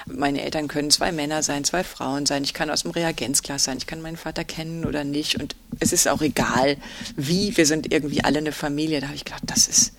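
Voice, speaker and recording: A podcast co-host from Germany's Ruhr area, chatting casually, agreeable and full of fillers and quick affirmations. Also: mid-range voice, steady tone, a bit bright, slight background noise.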